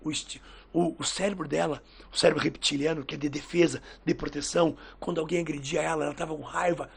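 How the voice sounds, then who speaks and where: A man with a fairly high, husky voice and a gravelly edge tells stories in a relaxed podcast chat. He acts out what people said in lively little voices. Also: quick pace. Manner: lively storyteller who acts out quoted dialogue. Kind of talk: casual podcast chat, storytelling.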